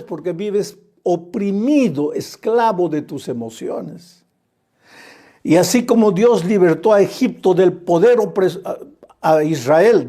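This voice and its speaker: A man, a pastor, preaching a sermon in an earnest, measured way, speaking straight to the listener with frequent short pauses. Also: sits high, dark tone. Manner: addresses the listener directly as "you".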